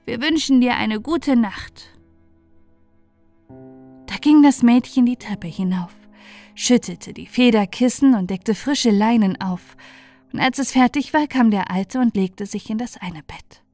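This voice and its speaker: A woman's voice: on the high side, measured pace, mellow. Woman narrating fairy tales over faint music. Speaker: audiobook narrator. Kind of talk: scripted fairy-tale narration for bedtime.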